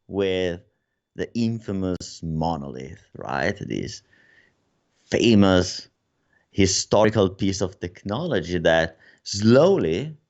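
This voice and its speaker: Low-voiced Italian man in his 30s, chatty conference speaker with fillers, dull headset audio. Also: darkish tone. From Italy. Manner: casual storytelling with many fillers. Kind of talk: tech conference talk. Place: home room, at night. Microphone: headset over cap, video call. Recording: dull lo-fi video call audio.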